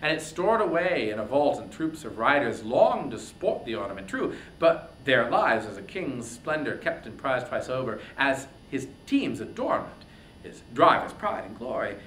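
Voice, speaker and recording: A man's voice: very animated, moderate pace, fairly bright tone. A man giving a theatrical, declamatory dramatic reading of epic poetry with emphatic phrasing. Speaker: reader, narrator. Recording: roomy, echoing, faint background rumble.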